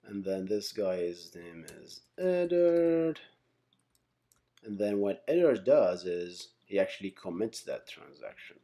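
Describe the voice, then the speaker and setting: Walking through an informal tutorial, a male software engineering instructor thinks out loud step by step, often pausing for quick check-in tags. He speaks on the lower side with a warm tone.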